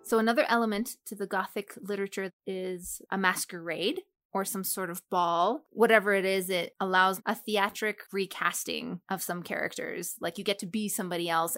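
A woman gives animated, analytical opinions in a casual book talk. Her voice is mid-pitched and recorded close and dry, with no room sound. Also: no room sound. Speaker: podcast co-host.

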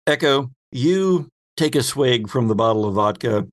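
A man hosting and narrating a tabletop game as game master, with deliberate, descriptive storytelling. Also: mid-range voice, expressive.

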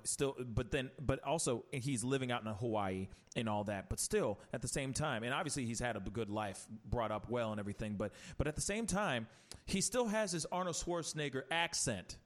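A man hosting a casual podcast chat, ranting animatedly with rhetorical questions and many restarts. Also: medium pitch. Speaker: podcast host.

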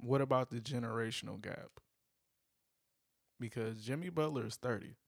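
A man in his thirties co-hosting a casual chat, measured and reasoning, weighing both sides. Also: medium pitch, vocal fry, breathy edge, dry recording, clean studio sound. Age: 30s. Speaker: podcast co-host.

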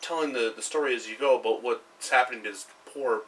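A man chatting on a podcast in a quick, hesitant way, heard through a low-quality backup microphone. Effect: low-quality backup mic recording. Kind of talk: casual podcast chat. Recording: distant, noisy backup mic.

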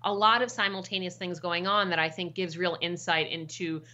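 A middle-aged American woman with a lowish, bright and forceful voice explains her subject patiently, tagging her points with "right?". The audio is dull and lo-fi, like a remote call. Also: steady tone, moderate pace. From United States. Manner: explains with frequent checking "right?" tags. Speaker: guest expert, political science professor. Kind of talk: explanatory podcast interview.

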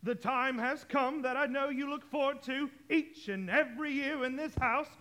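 A man's voice: very high voice, normal speed, sharp tone. A man playing a jovial, good-hearted nephew and party host, hearty and declamatory, in a live stage radio play. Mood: grand toast. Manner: hearty, declamatory, toast-making. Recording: live stage recording with faint noise.

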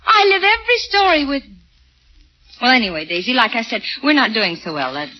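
A wheedling young wife in an old radio play. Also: female voice, fairly high pitch, sing-song, fairly quick, a little hiss or hum. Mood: confiding. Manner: wheedling, dramatic, swings to hushed. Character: scheming excitable young wife Helen. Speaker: radio drama actress. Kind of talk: 1940s radio acting. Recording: dull old radio recording.

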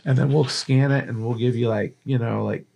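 A man's voice: mid-range voice, steady tone, a little fast, gravelly, dark tone. A man co-hosting a podcast, chatting casually in a rambling, explanatory way with some swearing. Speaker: podcast co-host. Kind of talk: casual chat.

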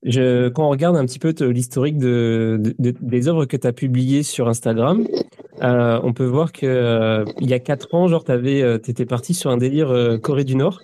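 A man's voice: medium pitch, moderate pace, dark tone. Rambling, hesitant male podcast host. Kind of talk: casual interview talk.

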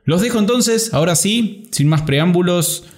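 Lively man hosting a channel intro. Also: high voice, moderate pace. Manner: upbeat, playful asides to viewers. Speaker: show host.

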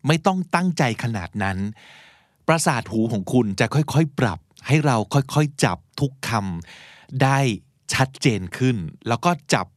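A Thai man hosting a podcast, teaching English in a chatty, encouraging way with slow explanations. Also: mid-range voice, very animated, no room sound, clean studio sound. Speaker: podcast host. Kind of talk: casual English lesson.

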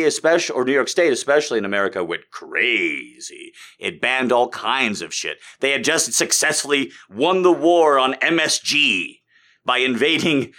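A comedian giving a sarcastic comedic rant, profane and animated. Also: male voice, fairly high pitch.

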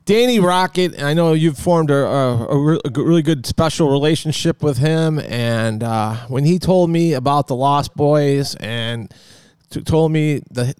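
American male podcast host, clear dry voice, informal halting chat with repeated words. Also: on the high side, a little mellow, no echo. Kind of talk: casual chat and interviewing.

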